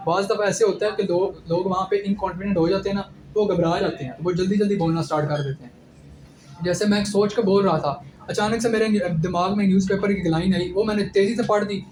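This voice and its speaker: A young man with a high voice gives direct, instructive pointers in an informal lecture. The room rings with echo, and a steady background noise sits clearly under his voice. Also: fast. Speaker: ISSB candidate giving advice.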